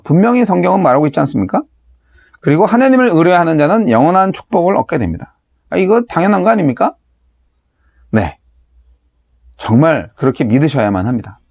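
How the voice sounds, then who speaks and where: A man's voice: fairly high pitch, no echo, clean studio sound. A man, a pastor, giving a daily Bible teaching in a conversational preaching style, asking the listeners rhetorical questions.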